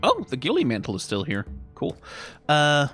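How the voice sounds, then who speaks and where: A man's voice: a little high, huge pitch swings, moderate pace, a bit bright, faint music behind. A man doing casual video game commentary as he plays, musing aloud and trailing off as he reads. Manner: musing aloud, trails off reading on-screen text. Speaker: streamer playing a video game.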